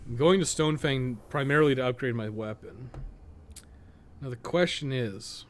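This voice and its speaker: A man with a mid-pitched voice talks off the cuff on a gaming livestream. He is blunt and opinionated, speaking in a loose, conversational way as he reasons things out aloud. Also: moderate pace, a little hiss or hum. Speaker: live streamer and podcast co-host. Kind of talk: casual livestream chat and gameplay commentary.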